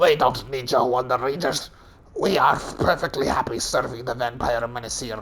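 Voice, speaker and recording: A man puts on a character voice, speaking at a medium pitch and a moderate pace. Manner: menacing, villainous.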